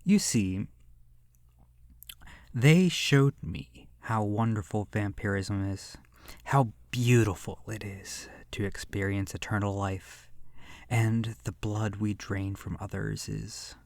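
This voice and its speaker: Slow, creaky, seductive vampire played by a man. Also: fairly low pitch, no echo, clean studio sound. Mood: enraptured reminiscing. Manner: slow, hushed, lingering pauses, breathy whispering. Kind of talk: ASMR horror roleplay monologue. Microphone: close microphone.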